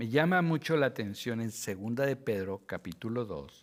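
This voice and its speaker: An animated man with a Mexico City accent, medium pitch, very wide pitch swings and a moderate pace, on a very clean recording with a silent background. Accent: Mexican Spanish (Mexico City). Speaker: pastor and Bible teacher. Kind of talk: Bible study teaching. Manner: animated, conversational.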